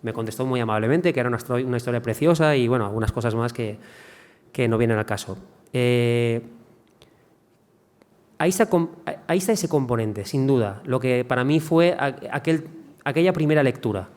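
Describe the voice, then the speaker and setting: A man's voice: medium pitch, animated, a little fast, darkish tone. A man speaking as a writer on a panel, in conversational style, often hesitating and restarting his words. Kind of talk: conversation at a cultural talk.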